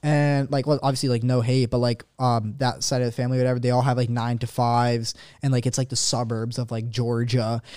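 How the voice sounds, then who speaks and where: In a Californian accent, a man speaks with monotone, flat intonation, a medium pitch and a dark, mellow tone. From US West Coast, San Diego. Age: young. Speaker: e-commerce entrepreneur. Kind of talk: casual chat.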